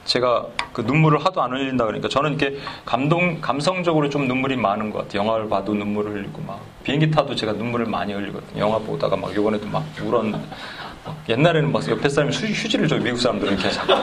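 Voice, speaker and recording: A man preaching a sermon, animated and chuckling as he tells stories and acts out dialogues. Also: mid-range voice, very fast, creaky, crowd noise, poor audio. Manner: chuckles while telling stories. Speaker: pastor.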